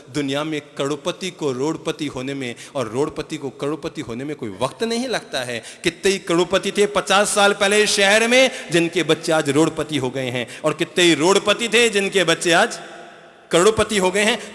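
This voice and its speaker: A man's voice: fairly high pitch, a bit bright, in a large hall. A man giving a sermon as a spiritual teacher, emphatic and quizzing his audience with rhetorical questions.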